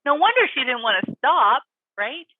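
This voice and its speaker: A woman dog trainer and author chatting as an interview guest, animated and quick to laugh. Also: high voice, breathy edge, dry recording, narrow, tinny audio. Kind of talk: interview guest, casual chat.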